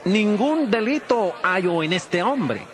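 Firm roman governor in a bible audio drama, declaiming slowly, pitched high. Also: male voice, expressive, a bit bright, some chatter behind, heavily acted. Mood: questioning, firm. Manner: declamatory, formal. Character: Pontius Pilate, Roman governor addressing a crowd, firm.

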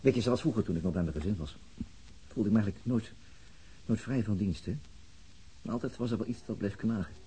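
Weary detective, middle-aged, deepish voice, halting and reflective, radio drama. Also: male voice, mellow, breathy edge, poor audio. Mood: weary, brooding. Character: weary, brooding veteran police detective, middle-aged man. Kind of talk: naturalistic Dutch radio drama acting.

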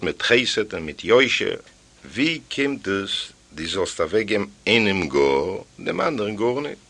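A man's voice: on the low side, no room sound. A man reading a first-person tale aloud as an audiobook, telling it with sighs and exclamations. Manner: animated storytelling with sighs and exclamations. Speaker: audiobook reader.

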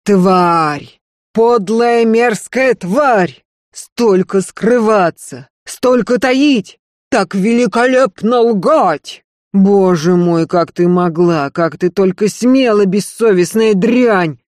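A narrator voicing an enraged male lead actor of the old stage, who roars his lines slowly and theatrically with a raised, loud voice. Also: medium pitch, no echo, studio quality, voice pushed up, lightly acted. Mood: furious. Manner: roaring, slow, theatrical. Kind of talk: audiobook character voice.

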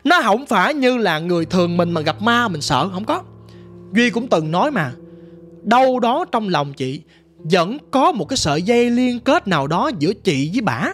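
A woman's voice: mid-range voice, big pitch swings, normal speed, faint music behind. A woman with a Southern Vietnamese accent telling her ghost story in a vivid, dramatic, casual way, talking straight to the listener. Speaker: storyteller guest.

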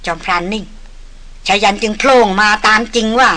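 A woman's voice: medium pitch, moderate pace, sharp tone, poor audio. A woman narrating a novel with dramatic, vivid delivery. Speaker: audiobook narrator. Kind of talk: novel reading.

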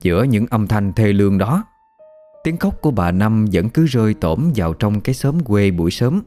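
A man narrating a ghost story in a measured, evocative way. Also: lowish voice, sing-song. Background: soft music.

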